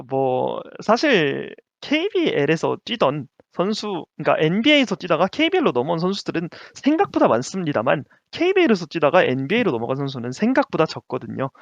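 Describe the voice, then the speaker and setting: Lively higher-voiced man chatting basketball. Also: vocal fry, dry recording, highs cut off. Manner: lively, laughs often, stumbles over names. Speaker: podcast co-host. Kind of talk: casual basketball chat.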